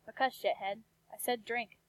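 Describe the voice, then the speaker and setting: Woman reading as monotone, bickering foul-mouthed dolls. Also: fairly high pitch, normal speed, no room sound, lightly acted. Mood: flat, insulting. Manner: monotone, flat line reading.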